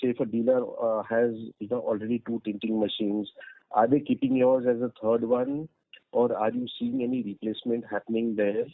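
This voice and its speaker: A man with an Indian accent asking questions as an analyst on a conference call, polite and somewhat halting. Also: mid-range voice, expressive, gravelly, dry recording. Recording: dry, tinny phone line.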